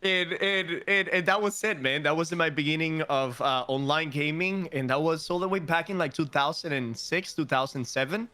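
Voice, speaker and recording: A man from Cuba co-hosting a podcast, telling stories in an animated, casual way. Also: fairly high pitch, moderate pace, hardly any pauses. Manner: animated, informal storytelling. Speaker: podcast co-host.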